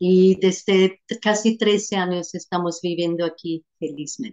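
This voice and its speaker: A woman with a German accent speaks at a very slow pace, her medium-pitched voice keeping a fairly even intonation. The background is quiet. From Austria, small Alpine village. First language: German (speaking Spanish). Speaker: holistic therapist; guest. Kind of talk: interview. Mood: warm, reflective. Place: home room. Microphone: video call.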